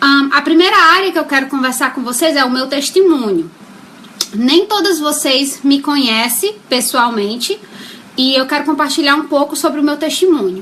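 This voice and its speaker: With a Ceará accent, the speaker keeps a moderate pace and lively intonation over noticeable background noise. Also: woman, high pitch for a woman. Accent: Northeastern Brazilian (Ceará). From Northeast Brazil, Juazeiro do Norte, Ceará. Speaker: Bible study teacher. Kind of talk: testimony. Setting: live stream. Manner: halting, with many fillers.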